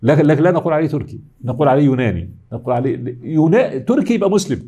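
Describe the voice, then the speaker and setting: Fast-talking Egyptian man lecturing. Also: mid-range voice, warm tone, husky. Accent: Egyptian Arabic. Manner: explains step by step, asks and answers his own questions, many fillers. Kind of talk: academic lecture.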